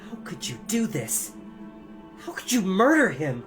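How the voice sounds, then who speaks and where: Reader doing a scared kid, hoarse and hushed, music underneath. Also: medium pitch, wildly swooping pitch, measured pace, voice pushed up. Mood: distressed. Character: frightened, earnest young boy.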